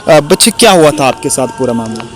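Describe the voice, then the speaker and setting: A man's voice: mid-range voice, expressive, fairly quick, faint music behind. A man reporting the news in the field, rambling a little and correcting himself mid-sentence. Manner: rambling, fills gaps with "jo hai wo". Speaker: journalist reporter.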